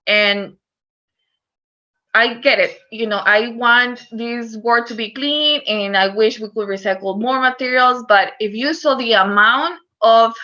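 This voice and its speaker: A woman's voice: a little high, unhurried, bright, forceful tone, dull audio. A woman from Costa Rica with a Costa Rican Spanish accent, giving an earnest online talk on recycling with frequent fillers. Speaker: recycling educator. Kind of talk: online presentation.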